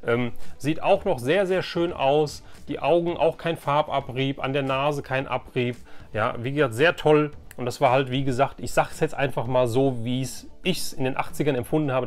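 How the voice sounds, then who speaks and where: In a room at home, a middle-aged man hosts a vintage toy collecting channel, chatting enthusiastically and rambling through a casual flea market haul vlog. His voice is mid-range, at a moderate pace.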